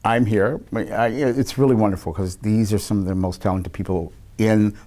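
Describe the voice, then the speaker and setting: Male guest, low voice, easygoing chatter with frequent laughs. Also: moderate pace, mellow. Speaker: interview guest, performer. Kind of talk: casual interview chat.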